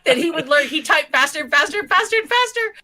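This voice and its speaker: A woman's voice: high voice, lively intonation, quick pace, pushed and bright. A woman co-hosting a podcast, telling anecdotes in casual conversation. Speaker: podcast co-host.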